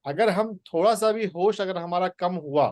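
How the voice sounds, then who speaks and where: A man teaching the Gita in a spoken talk, slow and deliberate with emphatic pauses. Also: sits high, a little mellow, dry recording.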